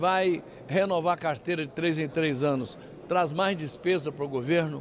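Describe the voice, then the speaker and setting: A man, pitched fairly high, speaks at a moderate pace amid noticeable background noise. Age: 80s+. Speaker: congressman. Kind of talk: interview soundbite.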